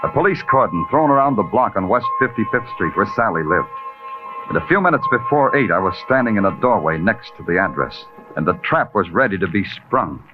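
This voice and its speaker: An actor playing a terse, grim police lieutenant in a 1950s radio drama, narrating and giving orders. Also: male voice, fairly low pitch, sing-song, brisk. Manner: clipped, terse, commanding. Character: hard-boiled male police lieutenant, grim. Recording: muffled old radio recording with music.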